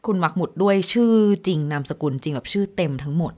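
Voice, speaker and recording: A woman radio host telling a news story in casual chat, animated when quoting. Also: fairly low pitch, quick pace.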